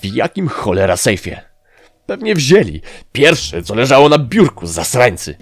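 Guy doing a ranting colonel, yells and sneers, swings all over, faint music behind. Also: mid-range voice, big pitch swings, unhurried, voice pushed up. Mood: furious. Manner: shouting, blustering, mocking. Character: furious bellowing middle-aged male army colonel.

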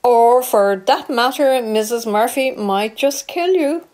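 A woman's voice: fairly high pitch, slow, a little mellow. An actress with an Irish accent playing a woman who gives dramatic, teasing warnings.

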